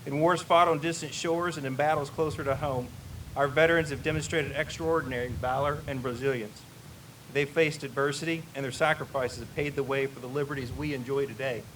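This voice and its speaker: Retired Navy officer with a Kentucky accent delivering a formal speech, picked up on a distant mic. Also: male voice, mid-range voice, fairly even intonation, a little fast, fairly bright tone, slight background noise. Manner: folksy asides, then a solemn prepared address.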